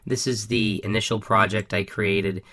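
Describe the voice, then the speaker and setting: Coding tutorial host, male, low-ish voice, bright and slightly raspy, casual walkthrough delivery. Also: steady tone, normal speed. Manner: upbeat, casual, frequent ums and restarts. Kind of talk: screen-recorded coding walkthrough.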